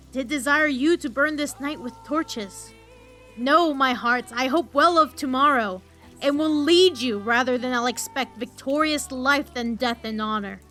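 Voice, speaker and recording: A woman's voice: high voice, sharp tone. A woman acting a weary, honour-bound military leader in a Shakespearean audio drama, with stately, declamatory delivery. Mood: hearty, reassuring.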